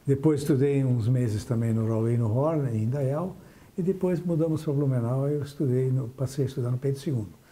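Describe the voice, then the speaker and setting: An older man from southern Brazil with a very dark, mellow voice, reminiscing about his past as a TV interview guest. He speaks reflectively, restarting and trailing off as memories come back. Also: mid-range voice, brisk, slight background noise. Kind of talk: recalling his life in an interview.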